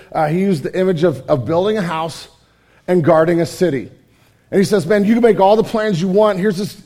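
Male pastor, hoarse raspy voice, high pitch, earnest emphatic sermon. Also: mellow. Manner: earnest, emphatic preaching with repetitions. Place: church sanctuary.

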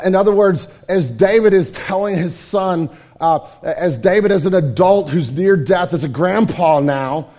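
Hoarse, high-voiced male preacher. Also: darkish tone. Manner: earnest, emphatic preaching with repetitions. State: hoarse, raspy from yelling. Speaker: pastor. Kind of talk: sermon. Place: church sanctuary.

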